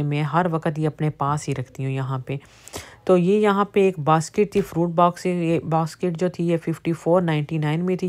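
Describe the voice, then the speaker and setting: A woman's voice: on the low side, a little mellow. A middle-aged woman from Pakistan giving a chatty running commentary on prices in a casual shopping vlog, filmed on a handheld phone in a large warehouse store. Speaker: vlogger.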